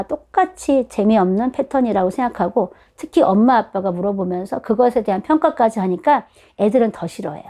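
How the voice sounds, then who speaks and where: A woman giving an explanatory, conversational talk to parents as an educator, animated and often putting questions to her listeners. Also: mid-range voice. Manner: animated, acts out short quotes of children and parents.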